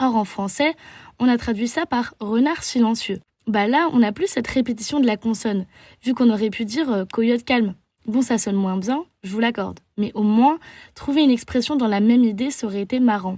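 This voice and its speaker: A woman with a French accent speaks at a moderate pace in a fairly high pitch and a dark, mellow tone, with ordinary pitch variation, in a very clean recording with a silent background. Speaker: podcast host. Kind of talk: film review podcast. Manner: calm, measured.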